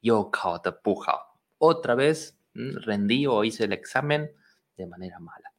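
A man's voice: on the low side, lively intonation, a little slow. A man who is a student, practicing Chinese in a lesson, hesitating and thinking aloud.

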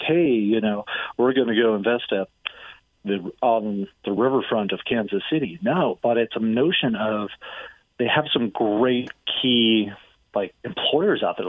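A man's voice: medium pitch, dry recording. A middle-aged man, a real estate investor, answering interview questions energetically and often tossing in "right?". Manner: energetic, fluent, fond of "right?" and "like". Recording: tinny phone line, dry.

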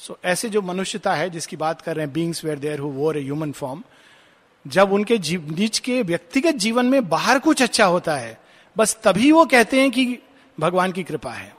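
A man, giving a reflective spiritual discourse and slowly reading English verse aloud. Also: high voice. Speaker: spiritual speaker. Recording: long hall reverb.

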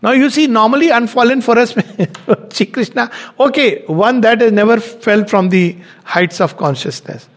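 A man's voice: very high-pitched, normal speed, hardly any pauses. A man giving a spiritual teaching talk, explaining his points step by step. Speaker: spiritual lecturer.

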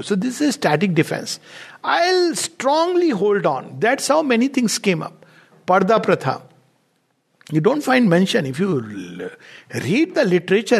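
An Indian-accented man giving an informal spiritual discourse as a teacher, emphatic and digressive, repeating phrases for stress and moving between quotations and his own commentary. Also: sits high.

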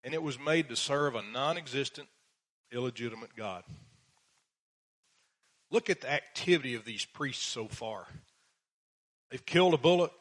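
A man teaching the Bible verse by verse, reading passages slowly and then explaining them with dry sarcastic asides. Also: mid-range voice, animated, fairly bright tone.

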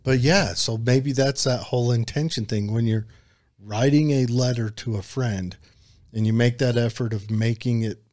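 A man with an Appalachian accent co-hosts a casual talk show. He speaks in a folksy, rambling, self-deprecating way, at a middling pitch. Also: steady tone, moderate pace, darkish tone. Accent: Appalachian hillbilly. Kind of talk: casual chat, reading out listener comments.

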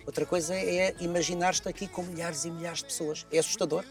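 High-voiced Portuguese male interviewer. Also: level tone, fairly quick, soft background music. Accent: European Portuguese. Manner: chatty, prompting, finishes the guest's sentences. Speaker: interviewer host. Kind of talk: casual interview talk. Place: large empty arena.

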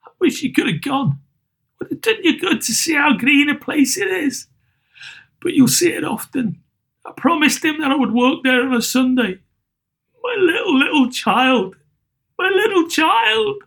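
Guy doing a tender sad dad, voice way up high and shaky. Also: lively intonation, normal speed, creaky, fairly bright tone, heavily acted. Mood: grief-stricken. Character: grieving working-class father, gentle and tender.

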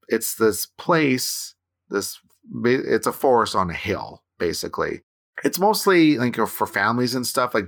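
A man in his thirties from Canada talks through a casual co-hosted chat. His voice sits low but sounds bright and forward. He rambles, restarts his sentences and tags many thoughts with "right?".

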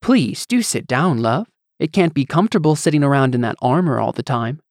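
A man's voice: mid-range voice, lively intonation, a little fast, darkish tone, no echo, studio quality, pitched above the performer's own voice, close to an everyday voice. A man voicing a sultry, scheming goddess in an audiobook, with a coaxing, condescending, theatrical manner. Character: sultry, scheming, languid goddess, vain wife. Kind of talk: audiobook character acting.

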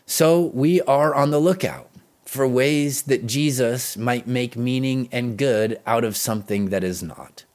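A man reading a scripted Christian devotional as its host, speaking earnestly with deliberate emphasis. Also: medium pitch, a little mellow.

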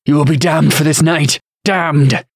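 A man's voice: a little high, fairly even intonation, measured pace, gravelly, husky, no echo, studio quality, pitched above the performer's own voice, heavily acted. A man voicing an indignant, frightened bishop in an audiobook, spluttering and pleading. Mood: outraged. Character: indignant, terrified male bishop pleading and blustering. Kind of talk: audiobook character acting.

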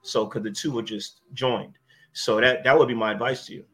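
A man's voice: medium pitch, steady tone, moderate pace, a bit bright, breathy edge. A man in his fifties, a wellness business owner talking casually and plainly, often asking "you know what I mean". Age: 50s. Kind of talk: casual podcast chat.

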